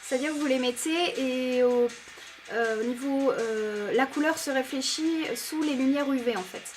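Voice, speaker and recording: A woman's voice: high voice, normal speed, soft background music. A woman with a French accent reviewing make-up gifts in a casual, enthusiastic chat full of fillers. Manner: enthusiastic, chatty, many fillers. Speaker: beauty vlogger.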